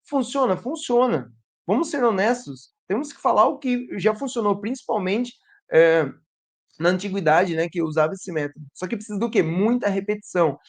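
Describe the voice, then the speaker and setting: A man teaching a literacy lesson who sounds out letters and syllables slowly and asks his audience rhetorical questions. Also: high voice, lively intonation. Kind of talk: teaching lesson to educators and parents.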